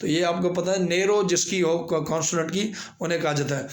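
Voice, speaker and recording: A man with a Pakistani accent gives an exam-prep lecture in a high, light voice. He slows right down to read each English definition, then goes back over it in his own words. The room rings with a hollow echo. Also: fairly even intonation. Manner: explains in Hindi-Urdu, reads English definitions slowly and repeats them. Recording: echoey room.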